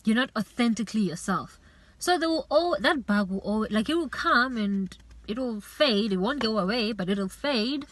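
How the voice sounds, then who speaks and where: A woman's voice: on the high side, animated, normal speed, a bit bright. Earnest woman urging viewers on. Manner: earnest, urging and repetitive, with many restarts and "you know". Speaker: vlogger. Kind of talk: faith-based motivational talk to camera.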